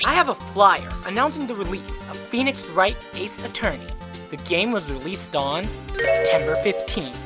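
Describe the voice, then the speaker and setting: A woman's voice: mid-range voice, animated, normal speed, close to an everyday voice. A woman in an English game fan dub playing an earnest, assertive young male defense attorney with a pointed, dramatic courtroom delivery. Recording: amateur dub under loud music.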